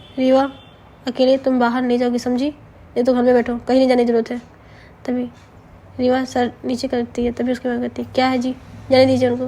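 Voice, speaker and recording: With a high pitch and monotone, flat intonation, a woman speaks at a moderate pace broken by long, frequent pauses. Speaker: storyteller. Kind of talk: storytelling. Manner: casual conversational narration.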